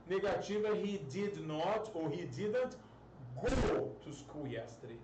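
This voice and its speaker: A man's voice: high voice, expressive, slow. A man who teaches English, giving an online grammar lesson and explaining with everyday analogies and repeated example sentences. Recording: roomy echo, distant mic, faint hiss.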